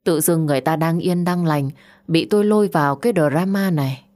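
A woman's voice: low-pitched, a little fast, darkish tone. Woman narrating an audio story.

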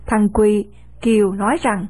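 A woman reading a novel aloud in a steady storytelling manner. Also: medium pitch, measured pace. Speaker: narrator.

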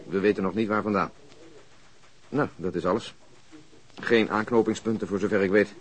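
A male actor plays a police investigator giving a case report in a radio drama. The voice sits a bit low. He is dry and methodical, listing details in short, factual phrases. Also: fairly even intonation, moderate pace, natural voice. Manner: clipped, matter-of-fact.

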